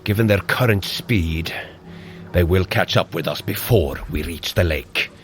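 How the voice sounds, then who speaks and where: An actor playing a hearty, bumbling god of thunder in an audio drama, speaking in grand, archaic heroic phrases. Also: male voice, sits low, unhurried, a little hiss or hum. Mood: hearty, urging. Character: boisterous, hearty god of thunder, bumbling good-natured brother. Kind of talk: audio drama fitness adventure.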